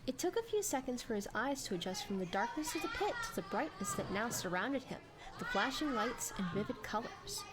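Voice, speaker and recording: A woman reading a story aloud as a dramatic, expressive, animated narrator. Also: on the high side, fairly quick. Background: background music.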